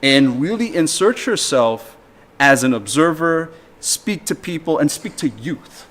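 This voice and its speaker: An American man talking through ideas in a casual interview. His voice sits a little high, and he leans hard on his points, turning lively when he sends up other people's habits. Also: unhurried. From United States. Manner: emphatic, animated when mocking others. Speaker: host. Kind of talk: casual conversation.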